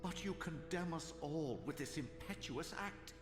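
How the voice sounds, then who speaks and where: An actor playing a cunning, manipulative old sorcerer in a video game, with a grandiose, slyly theatrical delivery. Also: male voice, a little high, lively intonation, unhurried. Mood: reproachful. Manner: grandiose, pleading, theatrically sly. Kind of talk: dramatic video game voice acting. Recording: echoey long reverb, game music behind.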